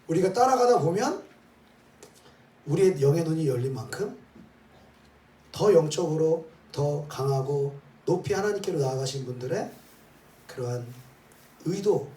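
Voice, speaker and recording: A man's voice: a little high, lively intonation, moderate pace, long pauses, mellow. A man, a pastor, preaching a sermon and leading his congregation through scripture, peppering his points with rhetorical questions and "eh?" tags. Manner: leads the congregation in reading scripture aloud. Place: church sanctuary. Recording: roomy hall, voice from some distance, faint ambience.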